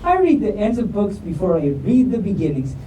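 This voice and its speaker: A woman's voice: mid-range voice, very animated, fairly quick, mellow, lightly acted. A woman voicing eager, friendly little forest animals from a storybook, with earnest declarations. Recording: echoey room, distant mic, faint noise.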